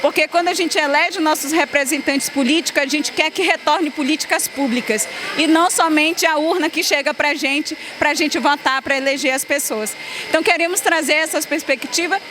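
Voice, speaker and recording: A woman's voice: high-pitched, moderate pace. A woman activist and educator, speaking fluently and with commitment in a news interview. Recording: outdoor noise, vehicles behind.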